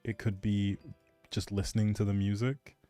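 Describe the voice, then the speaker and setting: A man's voice: fairly low pitch, flat delivery, normal speed, warm tone, dry recording. A man hosting a casual gaming livestream, chatting with viewers in a rambling, hesitant way and often trailing off. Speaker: livestream gamer host. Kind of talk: casual chatty livestream commentary, replying to chat. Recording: music playing behind the voice. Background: background music.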